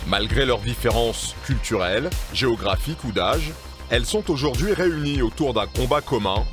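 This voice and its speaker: A man reading a scripted documentary narration in a measured, serious voice. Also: medium pitch, lively intonation. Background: music.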